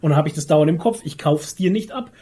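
Male podcast co-host, higher-pitched voice, blunt, opinionated, slangy conversational delivery. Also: fast talker, warm tone. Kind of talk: casual chat.

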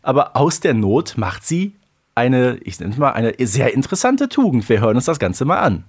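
Man, podcast co-host, relaxed chat, mid-range voice. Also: medium pitch, moderate pace, slightly rough. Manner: relaxed, tags on "ne?". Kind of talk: casual chat.

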